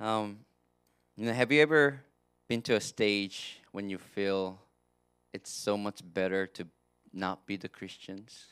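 A man talks at a fairly slow pace with a very deep, low pitch. The background is quiet. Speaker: pastor. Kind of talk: sermon. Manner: halting. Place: church. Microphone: handheld.

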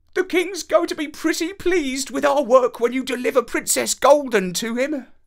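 A man puts on a character voice, pitched extremely high. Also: moderate pace. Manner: pleased.

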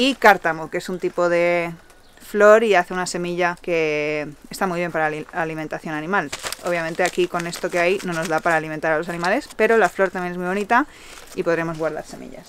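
Fairly quick and fairly even in intonation, a woman with an unremarkable speaking voice and fairly low pitch is heard in a dry sound with no echo and light background noise. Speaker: farm vlogger. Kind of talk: casual vlog chat. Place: garden. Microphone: phone near.

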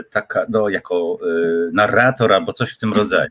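Against a quiet background, a man talks, his pitch rising and falling in an ordinary way. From Poland. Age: 60s. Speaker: film voice-over narrator. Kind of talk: interview answer. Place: home room.

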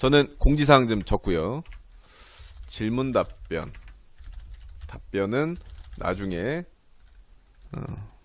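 This man talks at a very slow pace with long, frequent pauses. His pitch swings very widely. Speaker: live streamer. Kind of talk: casual stream chat. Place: home room. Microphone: studio mic.

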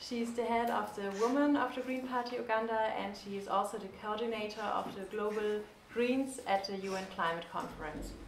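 A woman speaks with hardly any pauses and fairly even intonation, her voice carrying audible room echo over light background noise. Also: moderate pace. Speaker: event moderator. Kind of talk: panel moderation. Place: hall.

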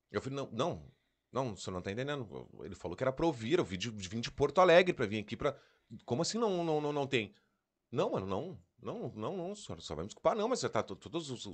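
Against a quiet background, a man with vocal fry talks at a fairly quick pace with very wide pitch swings. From Rio Grande do Sul, Brazil. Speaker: radio announcer. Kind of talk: casual chat. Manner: animated. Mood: animated, retelling frustration. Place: studio. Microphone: studio mic.

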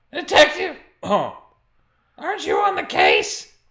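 In an extremely high pitch, a put-on character voice drags along at a very slow pace. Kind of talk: comic reading of game dialogue. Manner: excitable, loud.

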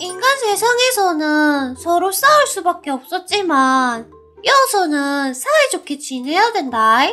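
A female-sounding put-on character voice speaks at an extremely high pitch with very wide pitch swings. The pace is fairly slow, with faint music in the background. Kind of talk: children's fan role-play. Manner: brusque, warm, teasing.

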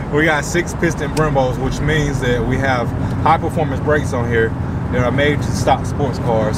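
Over loud background noise, a man talks at a moderate pace with ordinary pitch variation and a dry sound with no echo. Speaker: car owner vlogger. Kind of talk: casual vlog chat. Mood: playful, animated. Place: car. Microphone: phone near.

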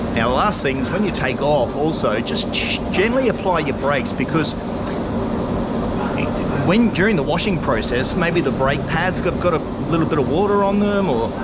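A man speaks with long, frequent pauses. Loud background noise runs behind him. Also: moderate pace. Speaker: scooter tutorial host. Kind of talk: tutorial. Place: street. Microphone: phone near.

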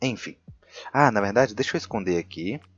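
A man's intonation is lively as he talks fairly quickly. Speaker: gaming YouTuber. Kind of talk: gameplay commentary. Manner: casual, animated.

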